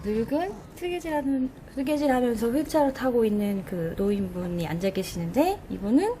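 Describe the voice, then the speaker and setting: A woman's voice: on the high side, animated, a little fast, dark tone. Hesitant young-sounding woman in an interview. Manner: hesitant, searching for words. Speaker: interviewee, experiment participant. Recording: noisy background.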